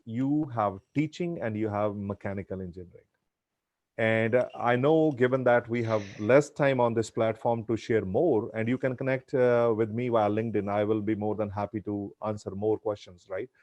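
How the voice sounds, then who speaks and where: Appearing as a guest in a virtual Q&A chat over video call, this Indian man whose first language is Punjabi offers sincere advice, frequently starting over mid-thought. He speaks at a moderate pace in a lowish, slightly mellow voice, the audio dull, dry and close, with no echo.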